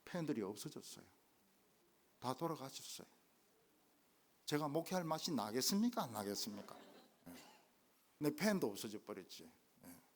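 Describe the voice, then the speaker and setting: An older man preaching a revival sermon as a guest pastor, jumping from loud exclamations to hushed asides. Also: mid-range voice, moderate pace, long pauses. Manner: animated, swinging from loud exclamations to quiet asides. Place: church main sanctuary.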